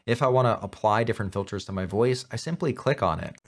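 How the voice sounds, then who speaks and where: A man in his thirties giving an upbeat, clearly explained software tutorial from a home office. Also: fairly low pitch, fast talker, over loud music. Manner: upbeat, clear instructional delivery. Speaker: tech tutorial host. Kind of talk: scripted tutorial narration.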